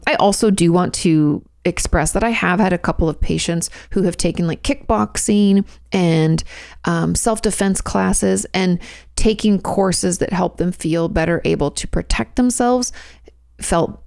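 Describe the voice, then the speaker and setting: A woman therapist hosting an advice podcast, answering listener questions in a gentle, reassuring way and often repeating phrases as she thinks. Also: fairly low pitch, creaky, no room sound, studio quality.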